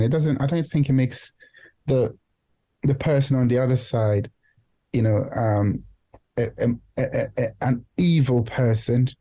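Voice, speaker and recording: Mellow-voiced man, reflective and halting. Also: medium pitch. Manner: hesitant, repeats and rephrases phrases, often adds "you know". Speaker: guest, founder and CEO of a non-profit organization. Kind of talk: reflective podcast interview talk.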